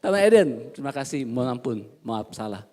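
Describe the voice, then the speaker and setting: At medium pitch and a slightly fast pace, a male pastor gives a lively, comic sermon during a church service, testing the congregation with questions and veering between soft asides and loud, emphatic bursts.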